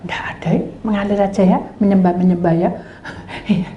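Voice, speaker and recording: A woman's voice: mid-range voice, moderate pace, muffled recording. A middle-aged woman pastor, telling a sermon story and acting out each side of the conversation, sometimes dropping to a whisper. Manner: animated storytelling, acting out both sides of conversations, drops to whispers. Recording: echoey room with faint background noise.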